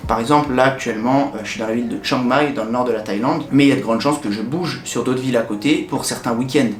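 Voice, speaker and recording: A young French man in a casual vlog, chatting directly to the viewer in a relaxed way with many hesitations. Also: mid-range voice, fast talker. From France. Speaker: vlogger. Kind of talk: casual talk to camera. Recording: echoey room with faint ambient noise.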